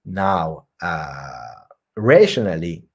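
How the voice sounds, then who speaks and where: A man's voice: low voice, sing-song, drawn-out words, husky. A man hosting a live post-match football reaction stream, talking emphatically and reading viewer comments aloud. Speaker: football channel host.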